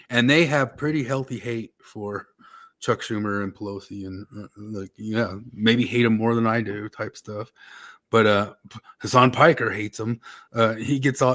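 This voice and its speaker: A man's voice: mid-range voice, a bit bright. A man hosting a casual political podcast who rambles, slurs words and laughs often. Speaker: podcast host.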